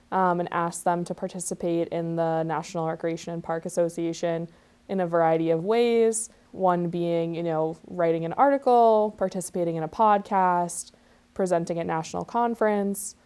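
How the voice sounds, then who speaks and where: Smooth, low young woman interviewee. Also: warm tone. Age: 20s. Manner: earnest, with many "you know" fillers. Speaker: recreation specialist interviewee. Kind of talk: interview answer.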